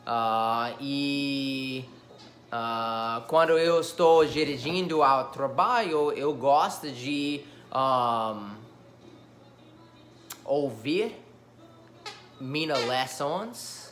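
A young man speaks casually in a learned language with an American English accent. He is a native English speaker. His delivery is very slow and halting, with pauses while he hunts for words. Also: medium pitch, a bit bright, faint music behind. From United States. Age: young adult. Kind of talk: casual question-and-answer chat. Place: small living room, on a couch.

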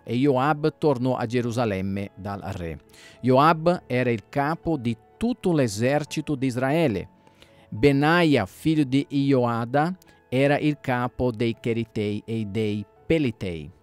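A male pastor reading the Bible aloud at a steady pace, sometimes stumbling over names and correcting himself. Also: medium pitch.

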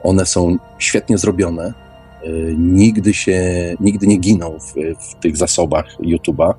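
A man's voice: deep voice, steady tone, a little slow, dark tone, slightly rough, soft background music. A man in an informal, opinionated radio discussion, speaking emphatically and often repeating words. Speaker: guest in an online radio debate.

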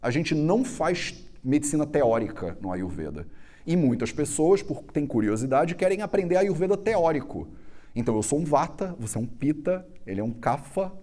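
A man, giving a joking, animated public talk on a stage into a handheld microphone. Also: on the high side, moderate pace. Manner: animated, joking, gestures a lot. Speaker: Ayurveda speaker giving a talk. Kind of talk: lively informal public talk. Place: stage in a large indoor hall.

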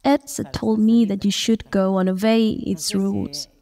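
A middle-aged woman calmly telling a traditional legend, seated outdoors by a forest. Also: mid-range voice. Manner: calm, measured storytelling. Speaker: storyteller. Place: open-air shelter by forest.

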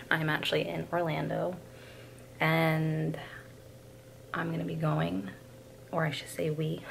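A young woman with a raspy morning voice, chatting casually to her camera from a hotel room. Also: low voice, slight background noise, rough recording. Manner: chatty, filler-heavy, rambling. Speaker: vlogger. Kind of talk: casual vlog chat.

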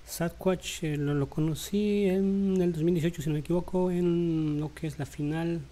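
A man, chatting through a reaction video in a halting way with frequent tag questions. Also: on the high side, steady tone, dark tone. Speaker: vlogger reacting to rap battle. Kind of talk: casual reaction commentary.

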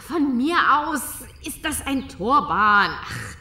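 Actress as flustered haughty countess, audio drama, bright high voice, very animated. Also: female voice, slow pace, roomy sound, full character voice. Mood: imperious. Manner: hesitant, haughty, dramatic delivery. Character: flighty, imperious countess, easily flustered. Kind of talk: German audio drama acting.

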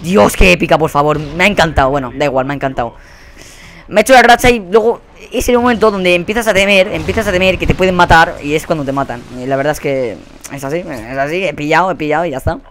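A young man with a Spanish accent commentating his own shooter gameplay, swearing a lot and quick to burst into angry shouts. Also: fairly high pitch, slight background noise. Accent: Spanish from Spain. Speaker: gaming commentator. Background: faint gunfire from the game.

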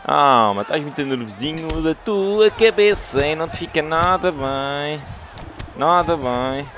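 A man with a European Portuguese accent commentating his own fight game, excitable and lurching from yelling to groaning. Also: a little high, unhurried, a little hiss or hum. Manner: animated, swings from yelling to groaning. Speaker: gaming YouTuber.

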